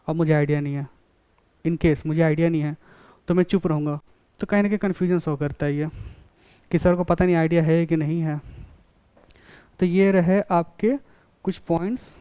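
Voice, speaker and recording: A man lectures a college class, his voice smooth and resonant. He walks through points with everyday classroom examples and keeps asking if students follow. The sound is dry and close. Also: sits high, a little mellow, no room sound. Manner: explains with classroom examples, often checks understanding.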